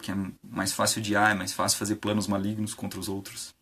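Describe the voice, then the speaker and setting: A man's voice: lowish voice, monotone, fairly quick, fairly bright tone, slight background noise. A man preaching an informal sermon on a live stream, conversational, with many fillers and rhetorical questions.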